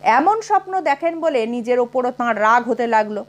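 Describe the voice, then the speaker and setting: Expressive woman storyteller, lively high voice. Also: brisk. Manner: expressive, with wide rises and falls. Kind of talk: audiobook narration of a humorous story.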